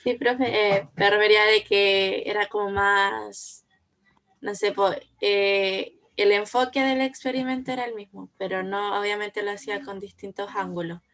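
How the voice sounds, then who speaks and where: A woman's voice: medium pitch, steady tone, normal speed, fairly bright tone. A woman student answering her teacher in class, hesitant and full of fillers. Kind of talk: class discussion.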